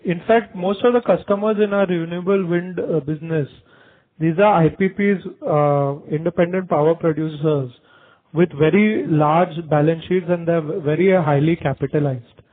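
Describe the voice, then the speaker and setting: An Indian-accented man with a fairly high voice speaks as a company executive to investors. He builds long answers in halting phrases over a thin telephone conference line. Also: fairly even intonation. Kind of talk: earnings call answers. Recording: narrow tinny conference phone line.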